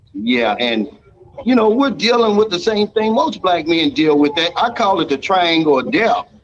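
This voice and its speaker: Over noticeable background noise, a man with an American accent speaks at a moderate pace in a high pitch, with very wide pitch swings and very even loudness. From Kentucky, Louisville. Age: 60s. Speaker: insurance agent and expat YouTuber. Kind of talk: casual chat.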